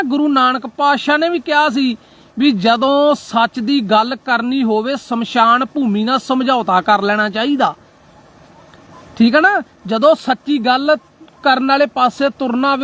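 A man's voice: extremely high pitch, a bit bright. A young Punjabi man speaking casually to his livestream viewers, preaching, quoting scripture and often asking if they agree. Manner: preachy, quotes scripture, keeps asking "right?". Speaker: social media livestreamer.

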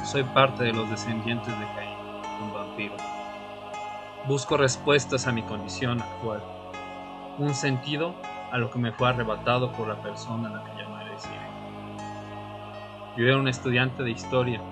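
A man playing a brooding vampire, once a history student, in a radio drama, speaking solemnly in short, deliberate phrases. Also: medium pitch, steady tone, lightly acted. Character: brooding male vampire, former history student, seeking answers. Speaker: narrator and lead actor. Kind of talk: audio drama narration and dialogue. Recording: music bed under the voice.

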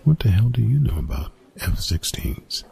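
A man playing a young college bully in an ASMR roleplay, gruff, defensive and grudgingly apologetic, in hushed, breathy, exasperated slang with swearing. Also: very animated, moderate pace, slight background noise. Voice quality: whispered, breathy, gravelly low voice.

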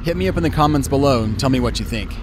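A man's voice: mid-range voice, animated, very fast. A man giving casual commentary as he rides a motorcycle off-road outdoors. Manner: talking while riding a motorcycle off-road. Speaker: motorcycle vlogger. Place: outdoors on a motorcycle in open fields. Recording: muffled, loud engine and outdoor noise.

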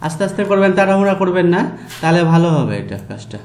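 A man with a fairly high voice and a Bengali accent talks through a screen-recorded software tutorial. He goes step by step, slowly, with frequent "ah" fillers. The room sounds echoey around him. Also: big pitch swings. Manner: slow step-by-step instructions, fillers. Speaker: tutorial host.

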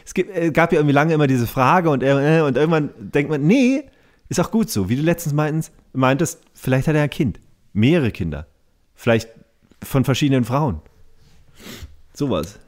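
A man co-hosting a casual podcast, rambling through ideas in a loose, lively way. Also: a little high, normal speed. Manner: rambling, lively, slips into silly voices. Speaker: podcast co-host. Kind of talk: casual chat.

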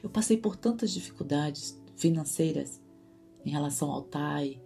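Woman, earnest devotional teaching, low mellow voice, soft guitar behind. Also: lively intonation, moderate pace, creaky. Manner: earnest, repeats words for emphasis. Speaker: Christian women's devotional host.

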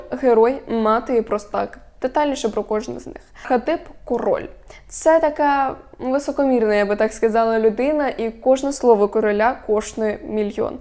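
Young female vlogger, instructive and steady, warm dark tone, slightly high pitch. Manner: instructive, steady, lists points one by one. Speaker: media coach vlogger. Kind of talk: explanatory talk to camera.

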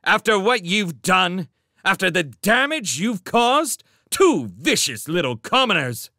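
A man voicing a menacing, pompous, vindictive gentleman magician in an audiobook, with soft speech that can swell into indignation. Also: fairly low pitch, very animated, unhurried, no room sound, clean studio sound, voice pushed up. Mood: indignant fury. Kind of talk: dramatic audiobook character reading.

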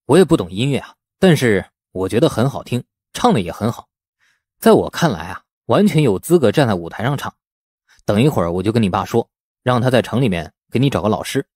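A man's voice: mid-range voice, very animated, brisk, darkish tone, slightly rough, no echo, clean studio sound. A man voicing an easygoing, righteous young man in an audiobook, speaking conversationally and encouragingly.

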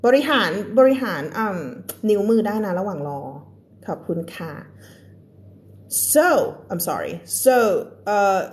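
On a live stream, an English teacher with a Thai accent reads aloud from a storybook with slow care, then switches to quick, conversational Thai to explain it. She greets viewers by name and laughs a lot, her medium-pitched voice a little mellow.

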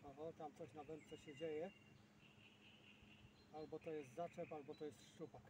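A man's voice: on the high side, little pitch movement, a little slow. A man in his sixties from Poland chatting casually and rambling to himself as a fishing vlogger out in a boat. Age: 60s. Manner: rambling, self-deprecating muttering to himself. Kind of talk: casual chat to camera while fishing. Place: outdoors in a boat on open water. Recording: outdoor far mic, clear background noise.

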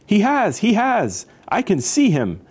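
A man's voice: lowish voice, very animated, fairly quick, darkish tone, a little hiss or hum. A man voicing a simple, earnest elephant from a herd in a children's storybook, exclaiming and questioning. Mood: excited.

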